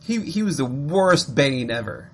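Animated joking podcast host man. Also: mid-range voice, unhurried, slight background noise. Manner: jokey, animated, teasing. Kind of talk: casual chat.

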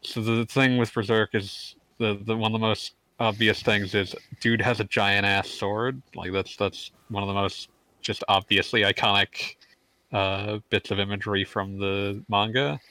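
A man's voice: fairly low pitch, steady tone, measured pace, bright, forceful tone, dry recording, rough recording. A man co-hosting a casual gaming podcast, rambling and stumbling over his words, often breaking into laughs. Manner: rambling, stammers on restarts, laughs mid-sentence. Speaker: podcast co-host.

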